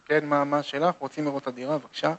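A man telling an inspirational true story to listeners, animated and emphatic, speaking to them directly. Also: on the high side.

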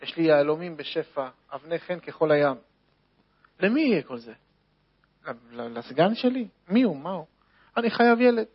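A man's voice: on the high side, big pitch swings, pauses often, slightly rough. A man voicing a fretful childless king. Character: anxious childless male king. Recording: dull lo-fi recording.

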